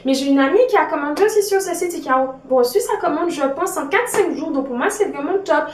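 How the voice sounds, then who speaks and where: A young woman chatting casually through a beauty haul, often filling pauses with "donc voilà". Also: high-pitched, animated, a little hiss or hum. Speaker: beauty vlogger. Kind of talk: casual product review. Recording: echoey room, a bit far from mic.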